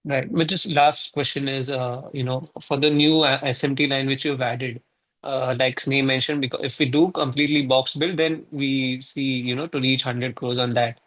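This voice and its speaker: A man asking an investor's question on a conference call in a halting, hesitant way. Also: medium pitch, steady tone, a bit bright, highs cut off.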